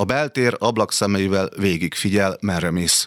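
The recording is very clean, with a silent background. A man with a fairly low pitch talks at a fairly slow pace with ordinary pitch variation. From Hungary, Szarvas area. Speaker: poet and writer. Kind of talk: casual interview chat; poetry reading. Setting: radio studio.

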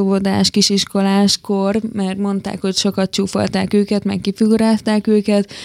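A woman with a medium pitch speaks at a fairly slow pace. Her intonation is monotone and flat. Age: 20s. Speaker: hard-of-hearing blogger. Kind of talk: radio interview. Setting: radio studio.

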